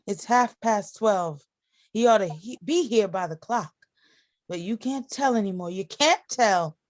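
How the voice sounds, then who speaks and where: A woman's voice: medium pitch, lively intonation, a little slow, close to an everyday voice. A woman playing a frail, timid, anxious and devoted young sister in a stage play reading. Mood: worried. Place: video call play reading.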